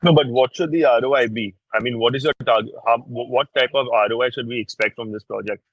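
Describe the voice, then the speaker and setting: A man's voice: medium pitch, fairly even intonation, fast, dry recording, muffled recording. A man asking questions as an investor on an earnings call, insistently rephrasing what he wants to know.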